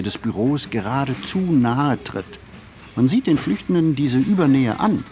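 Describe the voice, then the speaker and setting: A man reads a reflective literary monologue for a radio play, phrasing deliberately and expressively with pauses. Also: mid-range voice, darkish tone, slight background noise.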